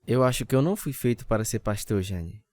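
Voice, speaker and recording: A man's voice: fairly low pitch, a little fast, a little mellow, no echo, lightly acted. An actor playing a troubled, repentant man telling his own story as a dramatised radio testimony. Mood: humiliated, defeated. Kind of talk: first-person dramatised testimony narration. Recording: music behind the voice.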